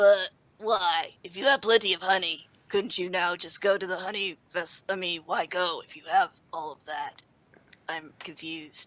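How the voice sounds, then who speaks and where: A woman's put-on character voice, raspy and medium in pitch, with fairly even intonation at a moderate pace. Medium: actual play. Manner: chatty, gossipy.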